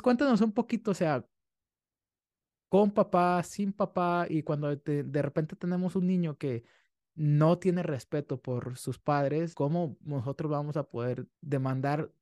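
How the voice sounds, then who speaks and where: Male host, 30s, Mexican accent, rambling questioner, slightly high voice, dry sound. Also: a little slow, a little mellow, no room sound. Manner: rambling questions, acts out kids. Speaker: podcast host. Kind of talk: casual interview.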